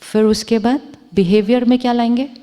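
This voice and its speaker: A woman spiritual teacher giving a measured talk to a live audience, repeating rhetorical questions to the room. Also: a little high, fairly even intonation, dark tone. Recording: long hall reverb.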